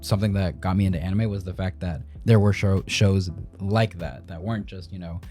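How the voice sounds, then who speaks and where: Male podcast host, warm lowish voice, talkative and easygoing, conversational delivery. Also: fairly even intonation, a little fast, soft background music. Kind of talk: casual podcast chat.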